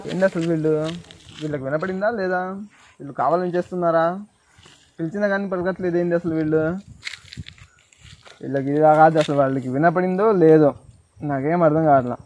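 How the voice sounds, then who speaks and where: A man's voice: fairly high pitch, quick pace, pauses often, a little mellow, slight background noise, lightly acted. A man playing a domineering village landlord who barks orders at a poor farmer. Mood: grumbling.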